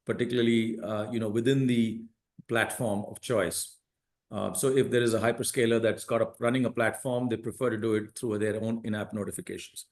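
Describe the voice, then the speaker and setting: A man speaking as a company executive, giving methodical, explanatory answers on an earnings call. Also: medium pitch. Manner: measured, methodical, enumerating points.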